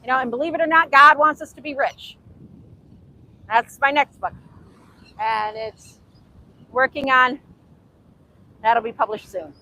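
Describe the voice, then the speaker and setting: A high, bright-voiced woman with a Hungarian accent talks earnestly to the camera outdoors by the beach. She is a native Hungarian speaker who overpronounces her words and circles back to repeat her points, with a brisk, crisp edge to her tone. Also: low-quality recording. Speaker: author and host. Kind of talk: motivational faith talk to camera.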